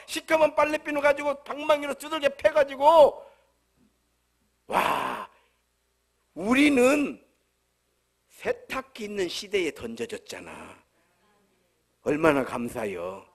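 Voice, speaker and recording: A man's voice: very high voice, sing-song, measured pace, pauses often. A male pastor with a Jeolla accent, delivering a humorous, conversational sermon full of rhetorical questions at a church service. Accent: Jeolla Korean.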